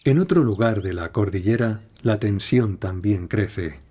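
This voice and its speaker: A man reads scripted nature documentary narration in a measured, dramatic storytelling way. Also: lowish voice, dark tone, husky. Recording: studio voice-over over prominent music. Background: music, animal sounds.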